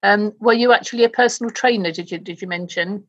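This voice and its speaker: A woman's voice: mid-range voice, fast talker, highs cut off. A woman hosting an interview, asking chatty questions and often repeating her opening words. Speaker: interviewer, host. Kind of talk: radio interview.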